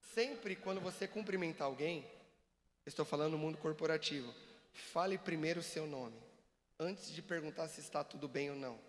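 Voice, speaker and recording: A man giving an animated, joking church seminar talk and acting out examples for the audience. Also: on the high side, moderate pace. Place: church hall. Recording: long reverb of a church hall.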